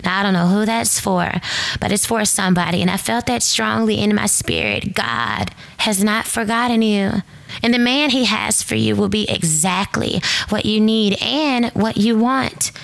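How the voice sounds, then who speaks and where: A woman's voice: medium pitch, animated, moderate pace, vocal fry, no echo. A young woman hosting a Christian advice podcast, preaching emphatically to her listeners and calling them sis and baby. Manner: laughs and breaks into song snatches. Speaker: podcast host.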